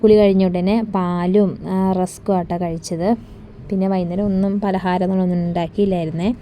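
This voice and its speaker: A woman's voice: on the low side, level tone, normal speed, dark tone, a little hiss or hum. A woman vlogger and mother chatting casually through her day, homely, often ending sentences with a friendly tag. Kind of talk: casual daily vlog narration.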